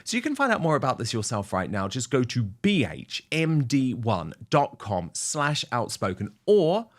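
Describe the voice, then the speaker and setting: A middle-aged man hosts an opinion talk show with lots of emphasis. His pitch moves widely up and down as he argues his points. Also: moderate pace. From New Zealand. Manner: animated, emphatic. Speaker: host.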